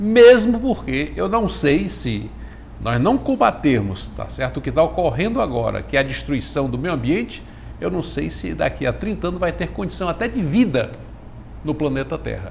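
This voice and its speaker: A man keeps a moderate pace amid noticeable background noise. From Brazil, Ceará (Fortaleza). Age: 60s. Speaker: retired university professor and former rector. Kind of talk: TV interview. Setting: studio. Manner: halting.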